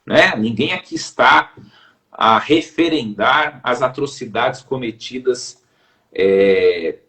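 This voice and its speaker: Measured Brazilian judge, formal speech. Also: male voice, mid-range voice, bright, forceful tone. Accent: Brazilian Portuguese. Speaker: judge and interview guest. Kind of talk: reflective interview talk.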